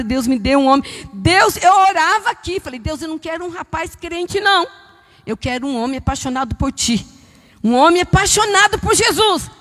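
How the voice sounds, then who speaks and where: A woman in her seventies giving a fervent church testimony, telling her story with quoted dialogue. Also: high voice. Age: 70s. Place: church hall. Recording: long church hall reverb.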